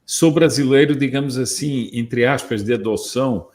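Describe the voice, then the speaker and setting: A man from Portugal who hosts the discussion, speaking in a measured, reflective way. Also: mid-range voice. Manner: measured, reflective, with occasional soft laughs. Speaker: host. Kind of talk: conversational discussion.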